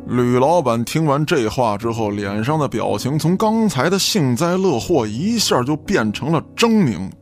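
A man narrates a scripted radio play. His voice is mid-pitched with very lively intonation, delivered as dramatic storytelling. Music runs faintly underneath. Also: moderate pace, hardly any pauses.

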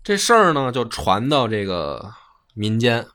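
A man's voice: mid-range voice, sing-song, normal speed, a bit bright. A man telling history in a colloquial, slangy way. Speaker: history storyteller. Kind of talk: casual storytelling chat.

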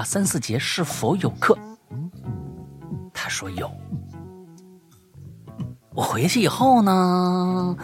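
A male podcast host reading listener stories aloud and chatting about them, talking in a lively, excitable way and stammering and repeating himself when worked up. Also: fairly high pitch. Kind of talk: casual storytelling podcast.

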